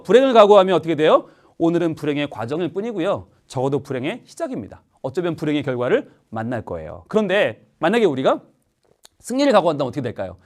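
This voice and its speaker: A male pastor giving a playful children's sermon, asking the children lots of questions. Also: a little high. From Korea. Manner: playful, animated storytelling with questions to the audience.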